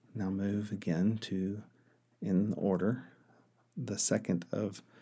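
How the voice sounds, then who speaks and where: A man with an American accent speaks at a fairly low pitch in a calm, dark, mellow tone. The recording is very clean with a silent background. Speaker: pastor. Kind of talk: teaching on prayer beads, with a fervent spoken prayer near the end. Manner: calm, reverent, measured; devout and intimate in the prayer; warm, earnest.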